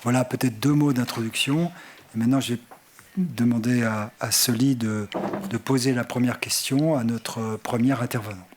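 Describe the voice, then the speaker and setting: A man moderating a conference panel discussion, speaking haltingly with many fillers and restarts. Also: medium pitch, steady tone, background noise. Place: conference hall stage.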